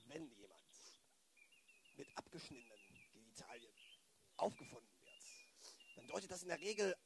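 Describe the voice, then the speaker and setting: A man acts a courteous but awkward inspector in an audio play. His voice is slightly high and creaky. He hesitates and repeats himself politely. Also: sing-song, normal speed, crowd noise. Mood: probing. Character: courteous, fussy, awkward male police inspector. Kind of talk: improvised audio drama acting.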